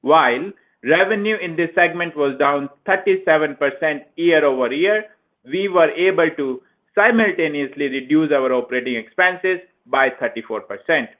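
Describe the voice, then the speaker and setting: Guy with a kinda high voice reading company financials formally, tinny phone call sound. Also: normal speed. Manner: formal, reading prepared remarks. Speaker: finance executive. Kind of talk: scripted earnings call presentation. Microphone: conference call phone line. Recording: tinny narrowband phone line.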